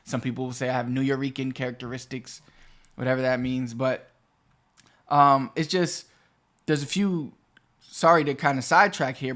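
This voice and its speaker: Man teaching spanish to camera, chatty, wanders off topic, mid pitch. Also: a bit bright. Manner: chatty, digressive, restarts phrases. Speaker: Spanish teacher and channel host. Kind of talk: explaining a language lesson to camera.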